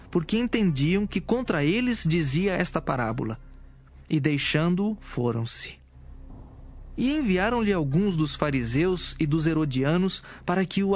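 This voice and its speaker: A man's voice: fairly high pitch, a little mellow. A man with a Brazilian accent giving scripted narration of scripture as a narrator.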